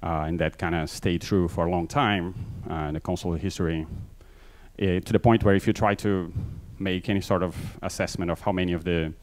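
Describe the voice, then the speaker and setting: A middle-aged man from Brazil with a mixed Brazilian accent gives a casual conference talk on a stage with a handheld mic, quick and full of fillers. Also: deep voice, steady tone. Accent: Brazilian Portuguese mixed. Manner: fast, filler-heavy, self-deprecating. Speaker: conference speaker. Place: large conference hall stage.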